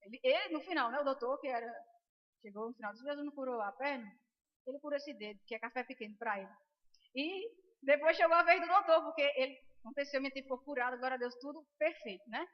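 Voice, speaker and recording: A young Brazilian woman preaching a sermon, telling a testimony in a lively way, acting out the dialogue and breaking into loud praise. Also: high-pitched, quick pace. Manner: animated storytelling, acts out dialogue, bursts of loud praise. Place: church hall. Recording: dull lo-fi recording in a reverberant church hall.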